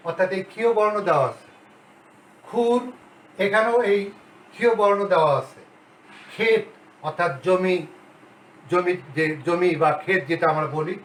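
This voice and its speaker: Guy teaching grammar at a board, repeats each sound slowly, kinda far from the mic, faint hiss. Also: sits high, a bit bright, reverberant. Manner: slow, deliberate, repeats key sounds. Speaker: Bengali grammar lecturer. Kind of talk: classroom lecture at a board.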